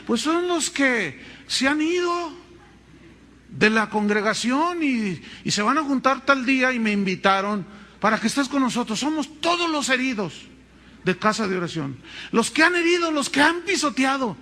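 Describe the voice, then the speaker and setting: A man's voice: very high voice, animated, moderate pace, sharp tone, pitched above the performer's own voice, full character voice. A man voicing an indignant churchgoing woman, gossiping to her pastor in a conspiratorial way.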